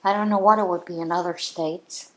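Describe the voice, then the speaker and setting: A woman's voice: on the low side, fairly even intonation, brisk, fairly bright tone. A woman hosting a crafting channel, sharing her views in a casual chat from home in an earnest, heartfelt way.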